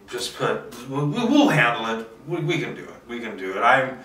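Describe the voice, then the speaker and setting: A man with a sharp, medium-pitched voice does a solo table read as a filmmaker, thinking aloud in a loose, rambling way, bragging playfully, and swearing some while talking to himself. The echoey room and distant mic color the recording.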